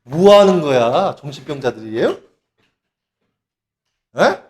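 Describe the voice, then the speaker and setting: Brief: male religious speaker, high lively voice, sarcastic rant. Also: slow. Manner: sarcastic, mocking, animated. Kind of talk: ranting religious monologue.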